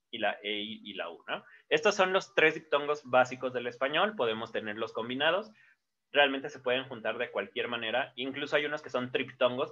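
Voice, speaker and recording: A man's voice: medium pitch, sharp tone. A man, teaching a casual lesson at a board and explaining step by step with fillers and self-corrections. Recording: dull lo-fi sound.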